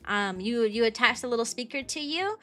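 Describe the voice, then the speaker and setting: Chatty young woman with a high, bright voice. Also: animated, fairly quick, faint music behind. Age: mid-twenties. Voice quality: high-pitched, youthful-sounding voice. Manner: rambling and chatty, with many ums, likes and restarts. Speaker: VTuber streamer and kindergarten teacher. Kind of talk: casual chat with stream viewers.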